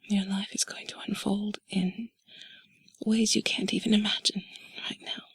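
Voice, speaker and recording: Slow, sultry whispering woman, very breathy. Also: medium pitch, level tone, no room sound. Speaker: intimate audio narrator. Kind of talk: whispered role-play, intimate comfort audio for a listener. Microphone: close mic, dry.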